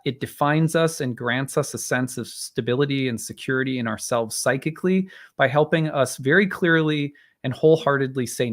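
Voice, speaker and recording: A man in his thirties or forties hosts an astrology livestream, reading charts and chatting casually in a medium-pitched voice. He rambles with lots of fillers and restarts, occasionally clearing his throat as his strained voice tires.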